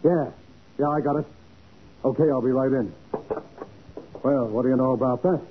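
An actor playing a blunt, slangy, skeptical police sergeant in a 1940s radio crime drama. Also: male voice, medium pitch, moderate pace, breathy edge, lightly acted. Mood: urgent, businesslike. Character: gruff, slangy, skeptical male police sergeant, loyal sidekick. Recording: noisy, narrow-band 1940s radio recording.

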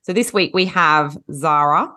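A woman co-hosting a casual chat podcast, chatty and laughing often, a little husky from a head cold. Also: low voice, unhurried, bright, forceful tone. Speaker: podcast co-host.

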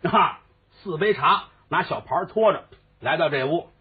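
A man's voice: a little high, expressive, moderate pace, husky. A man telling a comic story and acting out every character, breaking into snatches of song. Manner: switches voices between characters, sings opera snatches. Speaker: crosstalk storyteller. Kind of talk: comic storytelling with sung parts. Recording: phone-like lo-fi recording with faint music.

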